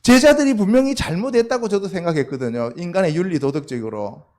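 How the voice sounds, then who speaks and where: A male pastor gives a sermon to young adults in a high, very animated voice that rises and falls widely. He talks in an everyday, colloquial way. He keeps putting quick questions to the congregation and then answers them himself. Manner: colloquial, conversational preaching.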